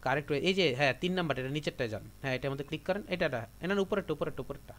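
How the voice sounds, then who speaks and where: A man's voice: fairly high pitch, very fast, a bit bright, slight background noise. A man from Bangladesh teaching a computer class, giving repetitive step-by-step instructions to his students. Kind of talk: live classroom tutorial.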